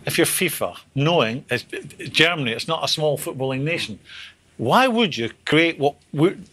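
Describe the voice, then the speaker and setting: Measured older pundit. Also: male voice, fairly high pitch, lively intonation, sharp tone, husky. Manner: measured, searching for words. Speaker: football pundit. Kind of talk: post-match studio analysis. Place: TV studio above a stadium. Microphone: lapel.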